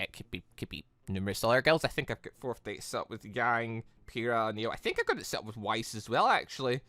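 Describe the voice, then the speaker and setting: A man doing rambling, exasperated let's play commentary on a visual novel, in an animated way. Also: on the high side, dry recording. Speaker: gaming video host.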